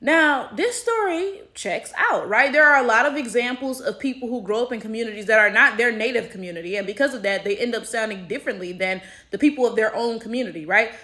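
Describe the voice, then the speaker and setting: A woman's voice: fairly high pitch, lively intonation, fast, hardly any pauses, bright, forceful tone. An American woman hosting a casual commentary, explaining points step by step and checking in with viewers as she goes. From United States. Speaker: commentary host.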